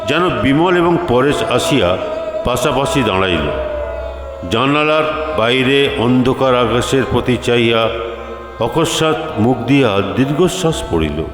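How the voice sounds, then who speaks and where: A man's voice: mid-range voice, expressive, a little slow. A man narrating a literary story from a script. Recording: echoey long reverb, music behind. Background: music.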